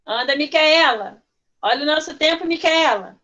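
High-voiced woman coaxing young pupils. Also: lively intonation, normal speed, sharp tone. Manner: coaxing, prompting pupils by name. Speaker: first-grade teacher. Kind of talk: online class with young children. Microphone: video call. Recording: dull lo-fi video call audio.

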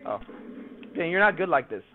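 A man swearing and complaining excitably while losing a casual one-on-one video game match. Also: on the high side, moderate pace, a little hiss or hum. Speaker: gamer, boyfriend. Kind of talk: casual gaming banter. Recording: tinny phone-like sound.

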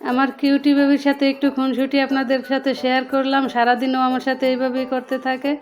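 Flat-toned Bangladeshi woman narrating a vlog. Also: high voice, fast talker. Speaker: home vlogger. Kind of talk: casual voice-over narration of a daily cooking vlog. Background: background music.

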